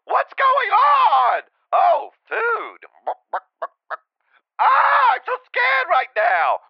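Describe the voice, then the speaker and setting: A man's voice: very high-pitched, wildly swooping pitch, very slow, gravelly, no echo, voice pushed up, heavily acted. A man voicing a panicky, easily frightened chicken, wailing frantically in a comedy skit, on a dull lo-fi clip. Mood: frantic panic.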